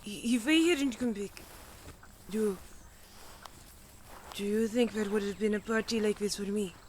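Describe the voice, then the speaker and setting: A woman's voice: mid-range voice, darkish tone, a little hiss or hum, natural voice. Woman acting hesitant, brooding young royal. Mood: uneasy. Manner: hesitant, halting. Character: reluctant, brooding young royal sibling, grieving. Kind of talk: fiction podcast acting.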